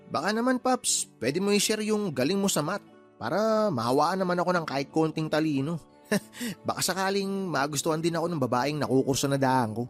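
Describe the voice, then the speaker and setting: A man's voice: on the high side, expressive, moderate pace, soft background music, natural voice. An actor playing a teasing, joking male friend in a radio drama, laughing often. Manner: playful, wisecracking, laughs often. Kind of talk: Tagalog radio drama acting.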